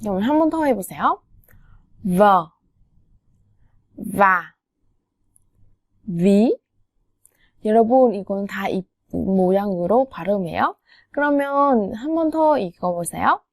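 A woman with a Vietnamese accent teaching pronunciation, repeating each sound slowly for learners to copy. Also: medium pitch, animated, a little mellow, dry recording, studio quality. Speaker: language teacher. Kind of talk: slow pronunciation lesson.

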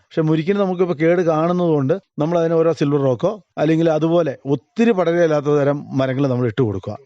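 A middle-aged farmer from Kerala, answering interview questions in a plain, casual way and pausing to search for words. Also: male voice, a little high, mellow, dry recording. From Kerala, India. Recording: dull lo-fi radio recording.

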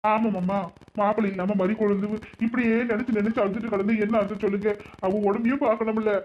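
A man's voice: sits high, little pitch movement, quick pace, lightly acted. A man voicing a practical young brother with a southern Tamil Nadu accent, explaining firmly. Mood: reasoning. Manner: explaining, reasoning. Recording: dull lo-fi sound.

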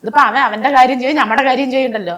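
Middle-aged mother, higher voice. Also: fairly even intonation, very fast, a bit bright, lo-fi sound. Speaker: interviewee's mother. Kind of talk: casual interview answers.

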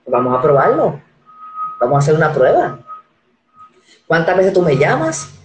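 A woman in her forties hosting a casual live-stream chat, animated and acting out the voices she quotes. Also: deep voice, normal speed, echoey room, poor audio. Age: 40s. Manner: animated, acts out quoted voices, repeats words.

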